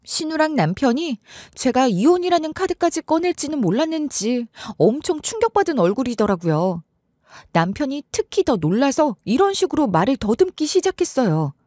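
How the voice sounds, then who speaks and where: Brief: expressive female storyteller, slightly high voice, first-person narration. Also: normal speed, no room sound, studio quality.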